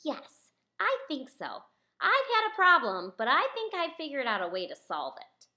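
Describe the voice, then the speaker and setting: A woman's voice: high-pitched, wildly swooping pitch, moderate pace, pushed and bright, pitched above the performer's own voice, exaggerated voice. A woman voicing a sensitive but brave schoolgirl in a children's picture book, earnest and plucky. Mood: hopeful. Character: Chloe, sensitive but courageous middle-school girl.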